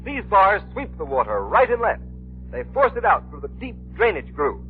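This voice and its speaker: A man's voice: high voice, very animated, normal speed, slight background noise. A man announcing and reading a persuasive commercial in 1930s radio style. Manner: persuasive, emphatic. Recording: tinny 1930s radio recording.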